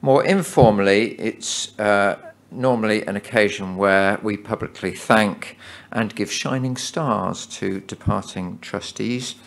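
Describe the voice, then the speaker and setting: A man's voice: fairly low pitch, slow pace, gravelly, few pauses. A man chairing a charity's annual meeting, speaking formally with many hesitant fillers. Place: meeting hall.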